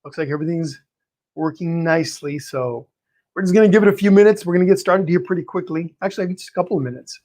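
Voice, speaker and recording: Slightly hoarse, friendly live-stream painting host. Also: male voice, a little high, fast talker, a little mellow. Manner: friendly, greets viewers by name, frequent throat clearing. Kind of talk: live-stream chat and teaching.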